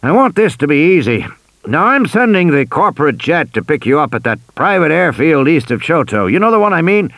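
A man's voice: on the high side, sing-song, fairly quick, fairly bright tone, no room sound, voice pushed up. A man doing a cheery, pushy old tycoon. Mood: brisk. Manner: insistent, persuasive, coaxing.

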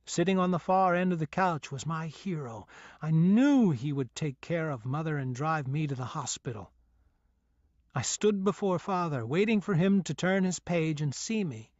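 A man narrating a memoir audiobook in a measured, sombre first-person reading. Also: a little high, no echo, highs cut off.

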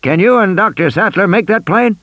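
A man's voice: high voice, lively intonation, a little fast, sharp tone, dry recording, pitched above the performer's own voice. A man voicing a cheery, insistent old male tycoon who coaxes and presses on the phone. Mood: brisk. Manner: insistent, persuasive, coaxing.

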